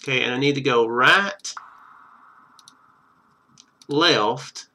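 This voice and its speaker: A man's voice: medium pitch, slow, sharp tone. A man doing casual video game commentary, thinking aloud as he plays.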